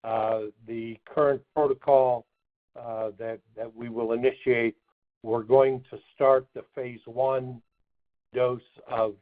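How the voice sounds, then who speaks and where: A man giving measured, halting technical answers as a chief medical officer on a muffled phone conference call. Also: medium pitch, flat delivery. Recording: muffled narrow phone line.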